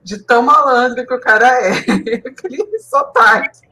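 A woman's voice: a little high, very animated, unhurried, bright, forceful tone, a little hiss or hum, rough recording. A woman with a Southeastern Brazilian accent, chatting and laughing as co-host of a live podcast. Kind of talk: casual live podcast chat.

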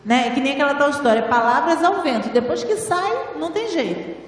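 A woman's voice: high voice, expressive, a little fast. A woman giving a spiritual lecture to a seated audience on a handheld microphone, teaching in a didactic way with rhetorical questions. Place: large hall with audience. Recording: echoey hall, voice from far off.

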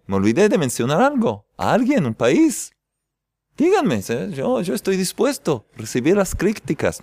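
A man leads a faith lesson for an online audience, mixing in jokes and playful asides. His delivery swings up and down with lively expression in a smooth, resonant voice. The recording is dry and close. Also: mid-range voice, dry recording. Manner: playful, joking, greets viewers warmly. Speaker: religious teacher hosting a faith workshop.

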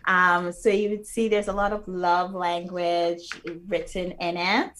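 A woman's voice: lowish voice, little pitch movement, measured pace, a bit bright. A woman author talking about her children's books in a casual interview, earnest and thoughtful, with frequent fillers and restarts.

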